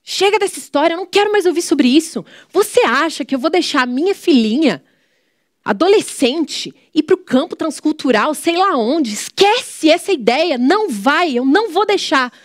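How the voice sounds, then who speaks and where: A woman's voice: sits high, expressive, moderate pace, dry recording, clean studio sound, pitched above the performer's own voice. A woman putting on a furious mom. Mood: angry, scolding. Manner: sharp, scolding. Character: angry protective middle-aged mother.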